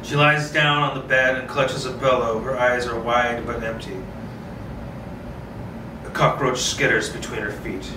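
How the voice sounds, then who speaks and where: Guy doing a solo table read n rambling, slow delivery, echoey room, noisy. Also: mid-range voice, level tone. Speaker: solo script reader and host. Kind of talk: screenplay narration and rambling casual chat. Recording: roomy, distant mic, clearly noisy.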